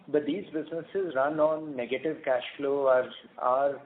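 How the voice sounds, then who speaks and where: Man, mid-pitched voice, company executive, hesitant formal delivery, narrow phone-line audio. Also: fairly even intonation, unhurried, slight background noise. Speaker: company executive answering analyst questions. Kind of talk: earnings call question-and-answer. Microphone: telephone conference line.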